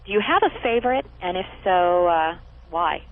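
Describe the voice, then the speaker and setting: A woman's voice: fairly low pitch, lively intonation, moderate pace. A woman hosting an interview, asking questions in an upbeat, chatty and encouraging way. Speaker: interview host. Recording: tinny phone-like audio.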